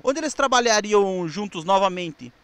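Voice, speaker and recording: A Brazilian man presenting scripted narration on television history, reading in a somewhat halting way with small stumbles. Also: sits high, lively intonation, fairly bright tone, smooth, no echo.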